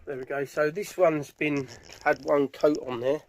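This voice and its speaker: A man's voice: a little high, fairly even intonation, a little slow. A British man giving a casual, hands-on tutorial, explaining each step informally as he works. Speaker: furniture polisher giving a how-to demonstration. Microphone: camera mic on a tripod, at varying distance.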